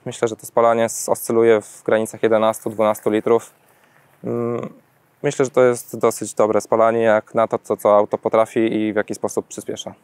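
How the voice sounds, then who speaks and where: Even-toned man reviewing his car. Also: medium pitch, dry recording. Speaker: car owner giving a review. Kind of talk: casual unscripted car review.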